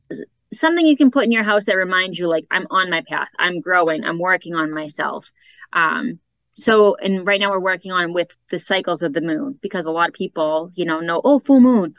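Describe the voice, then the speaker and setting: A woman's voice: on the low side, fairly bright tone, dry recording, highs cut off. A woman with a Boston accent, a psychic guest chatting casually about her offerings and readings. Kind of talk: casual chat.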